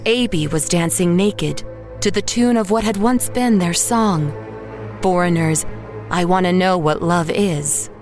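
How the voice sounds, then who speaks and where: A haunted young painter narrates her unraveling in a lowish voice. She is anxious and brooding, telling it in measured, literary phrases like a horror audio drama, with music playing underneath. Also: darkish tone. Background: background music.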